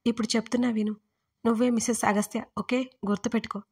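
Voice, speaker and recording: Bossy, possessive young man, teasing and fast, as a woman storyteller puts him on, fairly high voice. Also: level tone, darkish tone, husky. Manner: teasing, then threatening.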